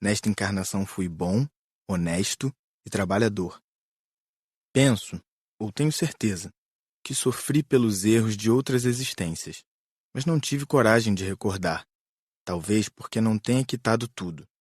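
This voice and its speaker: A man playing an earnest, repentant male spirit in a dramatised audiobook, speaking in a measured, confessional way. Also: lowish voice, lively intonation, darkish tone, husky, no echo, clean studio sound. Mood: earnest, resolved. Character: earnest male spirit recounting deafness, illness and regret.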